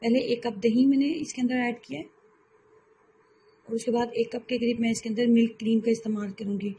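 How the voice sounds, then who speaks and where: A woman hosting a home cooking channel, calmly explaining recipe steps in a voice-over and often repeating herself. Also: fairly high pitch, a little fast, a little hiss or hum, rough recording.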